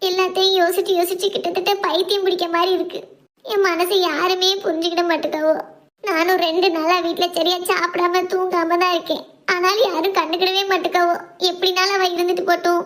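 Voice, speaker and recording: A woman's voice: very high voice, little pitch movement, quick pace, fairly bright tone. A woman playing a lovesick young woman who is heartbroken and tearful, speaking. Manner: tearful, pleading.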